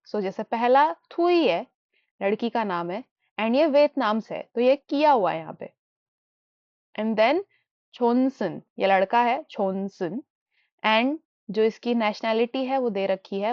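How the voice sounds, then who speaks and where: A woman teaching a beginner language lesson, mixing Hindi and English and repeating each new word slowly several times as a drill. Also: medium pitch, no echo. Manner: mixes Hindi and English while explaining. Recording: dull, muffled dry recording.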